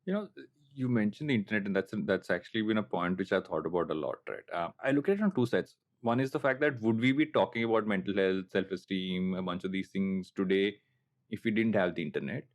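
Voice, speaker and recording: Recorded with lo-fi sound, a man in his late thirties hosts a podcast in a low-sitting voice, speaking quickly with a Telugu Indian accent. He's from coastal Andhra Pradesh, and his casual, reflective style leans anecdotal and self-deprecating.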